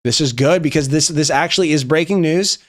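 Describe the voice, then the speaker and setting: Young man riffing on memes, slightly high voice. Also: a little fast. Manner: reads memes aloud and riffs, swearing, laughing. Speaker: streamer reviewing viewer memes. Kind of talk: casual live-stream commentary.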